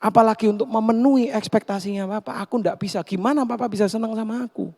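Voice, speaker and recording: A man's voice: high-pitched, steady tone, fairly quick, warm tone, voice pushed up. A man voicing an insecure, angry teenage boy acrobat who pleads with a raised voice. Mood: angry, pleading. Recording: long hall reverb.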